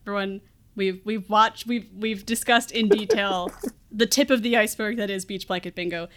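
A woman's voice: medium pitch, steady tone, moderate pace, a bit bright. A woman hosting a podcast, talking casually about a movie in a chatty, jokey way with frequent laughter. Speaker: podcast host.

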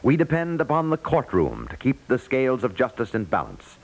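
A man's voice: mid-range voice, huge pitch swings, moderate pace, vocal fry, husky, poor audio. An American man reading a scripted 1950s network radio promo as an announcer.

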